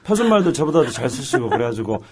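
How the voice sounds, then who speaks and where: A middle-aged man, a policy director appearing as a talk show guest, tells stories in a joking, self-deprecating way. His medium-pitched voice swings widely in pitch and moves quickly, with background noise in the recording.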